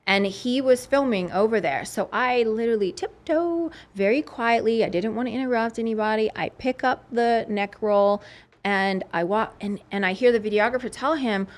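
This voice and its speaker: A woman who works as a fitness trainer, a guest on a podcast, talking enthusiastically in casual chat. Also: a little high. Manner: enthusiastic, storytelling.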